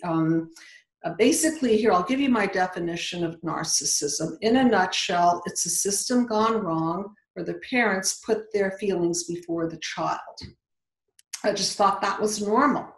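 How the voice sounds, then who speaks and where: A woman's voice: on the low side, a little slow. A woman in her sixties from Hungary, speaking as a psychologist guest on a video call. She explains earnestly and often restarts mid-sentence. The webcam audio has a roomy, echoing sound. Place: indoor home office.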